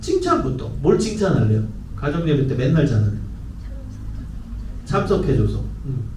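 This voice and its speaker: A man's voice: medium pitch, normal speed, recorded from a distance. Man, middle-aged, church parenting lecture, quizzes the audience, acts out quotes, echoey hall, faint hum. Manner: lively, asks the audience questions and acts out quoted speech. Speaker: guest lecturer, professor. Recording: roomy hall, voice a bit off the mic, faint background hum.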